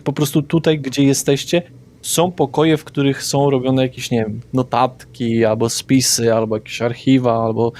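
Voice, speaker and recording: Brief: male game master narrating a vampire tabletop session, mid-pitched, unhurried and hesitant. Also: a little mellow.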